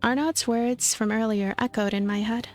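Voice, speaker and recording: A woman doing expressive story narration for a visual novel let's play. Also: fairly high pitch, normal speed. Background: game music.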